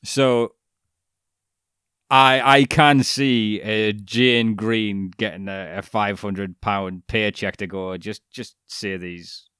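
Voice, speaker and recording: A man's voice: fairly low pitch, little pitch movement, slow pace, sharp tone, clean tone, no room sound, studio quality. A man co-hosting a podcast, rambling through a casual chat about a documentary with frequent restarts, fillers and the odd swear word. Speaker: podcast co-host.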